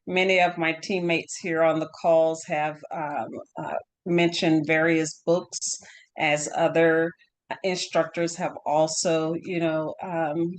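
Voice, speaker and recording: Woman, class participant, lowish voice, halting, searching for words. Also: level tone. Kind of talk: sharing in an online class. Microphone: video call.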